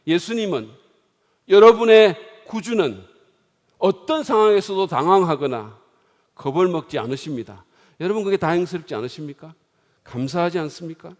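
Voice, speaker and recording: A middle-aged man preaching a sermon in a church, swinging dramatically from hushed, quiet lines to loud exclaiming. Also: fairly high pitch, animated, fairly quick. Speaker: pastor. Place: church sanctuary. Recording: long hall reverb.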